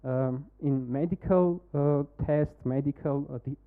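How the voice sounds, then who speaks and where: A man with an Armenian accent pitching a startup, then answering questions in halting English while searching for words. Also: smooth. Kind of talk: demo day pitch and Q&A. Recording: phone-like narrow band.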